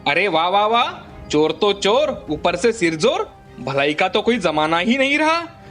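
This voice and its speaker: An actor voicing a greedy, scheming village moneylender who talks in a loud, sneering, threatening way. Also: male voice, high voice, very animated, unhurried, soft background music, heavily acted. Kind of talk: cartoon dubbing.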